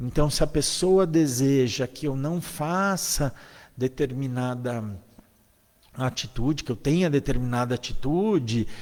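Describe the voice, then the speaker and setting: A man talks at a fairly slow pace, his medium-pitched voice showing ordinary pitch variation. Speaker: spiritist lecturer. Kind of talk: lecture. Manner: soft-spoken.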